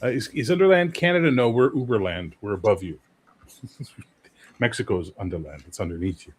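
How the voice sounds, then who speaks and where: A man with a somewhat low voice hosts a loose livestream chat. He speaks bluntly and forcefully, states strong opinions, and swears freely. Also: animated, moderate pace, a little hiss or hum. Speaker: host.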